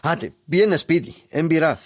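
An actor with a Cypriot Greek accent playing a worried, patient grown son who is soft with his mother. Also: fairly high pitch, expressive. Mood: calm.

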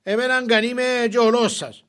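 A stubborn brother speaking Cypriot Greek in a dialect drama. His voice sits high, and he pushes his point with indignant insistence. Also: steady tone, fairly bright tone. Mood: insistent. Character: stubborn, touchy brother haggling hard with siblings.

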